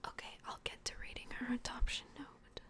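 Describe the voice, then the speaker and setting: A woman doing a soft-spoken, whispered ASMR personal-attention roleplay as an adoption worker, gentle, hushed and reassuring. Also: a little fast. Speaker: ASMR roleplay host playing a plush toy adoption worker.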